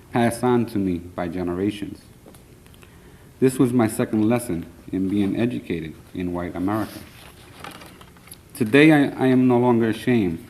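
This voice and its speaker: A man's voice: fairly low pitch, a little mellow, poor audio. Earnest Puerto Rican man reading poetry. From Puerto Rico. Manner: earnest, plain, measured delivery with short line breaks; a little nervous. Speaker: poet reading his work. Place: conference hall.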